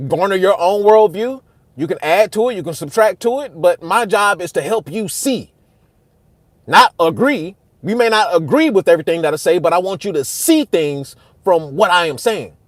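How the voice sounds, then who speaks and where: Animated and at a moderate pace, a young livestream host talks back to his chat heatedly, repeating himself and growing loud and high when riled up. The recording is dry.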